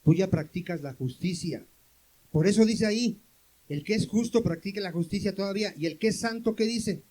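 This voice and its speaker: A man's voice: high-pitched, normal speed, warm tone, poor audio. A man preaching a sermon as pastor, firing questions at the congregation, answering them himself and calling for amens.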